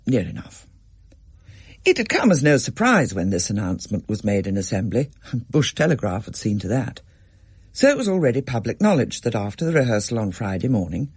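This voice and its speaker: A man reading a story aloud as narrator in a measured, storytelling way. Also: mid-range voice, husky, no room sound. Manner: gently storytelling, varied and expressive.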